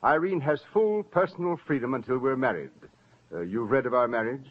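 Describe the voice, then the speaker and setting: An actor playing an older, possessive fiancé with a smooth, self-mocking manner, in 1940s radio acting. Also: male voice, medium pitch, expressive, brisk. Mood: smug. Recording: dull lo-fi old radio recording.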